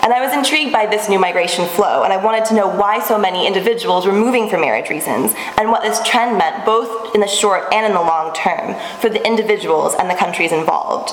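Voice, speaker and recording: A woman in her twenties giving a measured academic presentation to a panel in a small seminar room. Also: medium pitch. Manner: clear, measured lecturing with occasional restarts. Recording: echoey room with long reverb, faint background noise.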